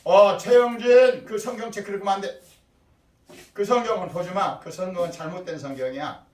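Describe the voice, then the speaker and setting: An older man preaching as pastor, lively, quizzing the children and calling on them by name. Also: high-pitched, moderate pace. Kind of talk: sermon. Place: church sanctuary. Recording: echoey room from far off.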